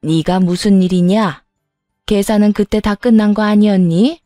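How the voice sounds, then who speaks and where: A woman's voice: medium pitch, steady tone, normal speed, dark tone, no room sound, clean studio sound, faint music behind, natural voice. A woman voicing an older mother-in-law who speaks in a firm, scolding, old-fashioned way. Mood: stern.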